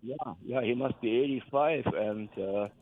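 Older German-accented man on a tinny phone line. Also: mid-range voice. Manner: rambling, halting, many fillers and restarts. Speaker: caller. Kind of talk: casual phone chat.

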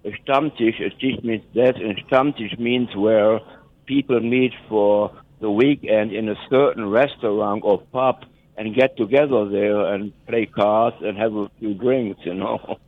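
An older man from West Germany, a native German speaker with a German accent, calling in to a radio show and rambling in a halting way, chuckling at his own jokes. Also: fairly low pitch, steady tone, no echo. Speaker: caller. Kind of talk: phoning in to a radio talk show. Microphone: telephone. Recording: tinny phone line.

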